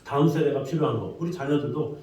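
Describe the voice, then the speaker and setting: A man's voice: medium pitch, fast talker, darkish tone. A male pastor preaching a children's sermon in a church, acting out story voices and asking the congregation questions. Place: church sanctuary. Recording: very echoey hall, distant mic.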